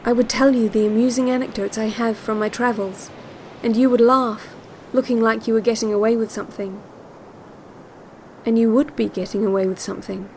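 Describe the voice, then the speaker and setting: An actress playing a calm, yearning woman who narrates secret relaxation cassettes in a measured, intimate audio drama monologue. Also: fairly high pitch, slight background noise, close to an everyday voice, rough recording. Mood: wistful, longing. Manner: measured, deliberate, repetitive phrasing.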